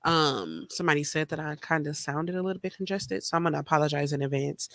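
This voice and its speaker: A podcast host getting over a cold sounds slightly congested as he chats casually and solo, rambling with many fillers. His fairly high, fairly bright voice moves fast, recorded dry and clean in the studio on a streaming mic.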